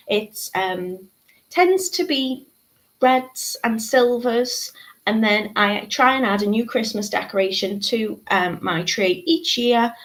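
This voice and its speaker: A woman's voice: mid-range voice, rough recording. Chatty woman with a slightly congested voice. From United Kingdom. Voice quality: chatty, many ums and asides. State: congested, a little croaky. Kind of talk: live craft tutorial, chatty.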